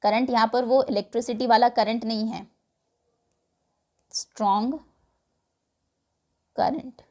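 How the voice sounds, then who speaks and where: An Indian woman teacher explaining a textbook lesson. She reads English lines slowly and then explains them in Hindi. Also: a little high, steady tone, darkish tone.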